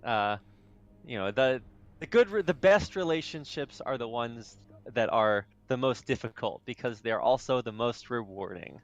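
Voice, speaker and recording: A man casting a strategy video game, chatting and rambling between plays and rising with excitement when the action heats up. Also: mid-range voice, moderate pace, muffled recording. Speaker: esports caster. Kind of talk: play-by-play commentary.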